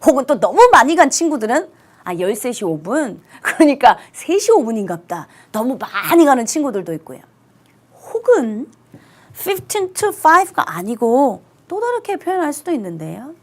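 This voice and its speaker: Woman English teacher, high voice, very animated pitch, emphatic, drawn-out stressed words, online lecture.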